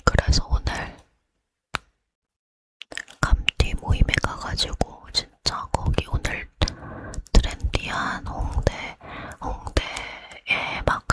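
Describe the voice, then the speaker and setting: A woman doing a whispered role-play as a chatty, boy-crazy young woman getting ready to go out, leaning in to whisper in a breathy hush. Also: lightly acted. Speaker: ASMR creator.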